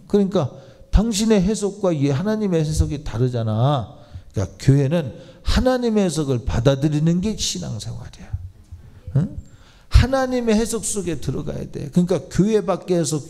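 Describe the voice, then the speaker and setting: A Korean pastor with a slightly high, gravelly, warm voice preaches an emphatic sermon in a church sanctuary. He frequently shifts into blunt, informal speech to address the congregation.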